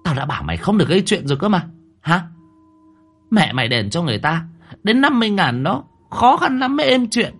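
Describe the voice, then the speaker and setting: A man's voice: mid-range voice, expressive, a little fast, pauses often, slightly rough. A man voicing a furious, bossy middle-aged mother who screeches threats and scoldings.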